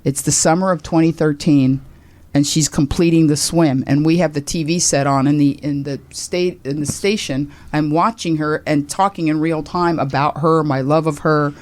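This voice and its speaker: A woman in her sixties, a radio talk host, telling a personal story as a guest, exclaiming loudly and acting out quotes with big leaps in pitch. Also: steady tone, normal speed, no room sound.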